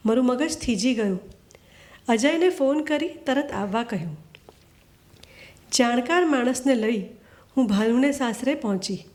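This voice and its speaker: A woman reads her own short story aloud at a literary event. Her voice sits high. She tells it in a measured, earnest way. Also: darkish tone.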